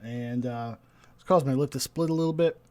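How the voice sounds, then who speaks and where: With a mellow, medium-pitched voice that sounds a bit stuffy, a young man live-streams a game at normal speed. He thinks out loud and makes wry comments to his viewers, with game music in the background.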